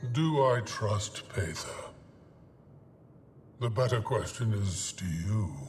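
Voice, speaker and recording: A man's put-on character voice at medium pitch, very slow with long, frequent pauses, over clear background noise. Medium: video game. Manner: measured, dry.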